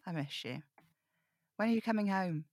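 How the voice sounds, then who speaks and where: A woman's voice: medium pitch, expressive, moderate pace, darkish tone. A woman playing a snarky, weary supernatural radio host in an audio drama, wry and brooding in manner. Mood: snarky, wistful. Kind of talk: audio drama table read.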